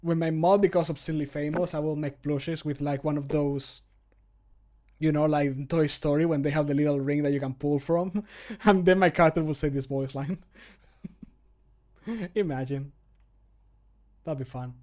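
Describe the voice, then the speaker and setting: Man, thirties, slightly high voice. Casual streamer chat, jokey and self-mocking. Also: fairly even intonation, moderate pace, long pauses, a little mellow. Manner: joking, self-mocking, sweary. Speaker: streamer recording mod voice lines. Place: small room at home, indoors.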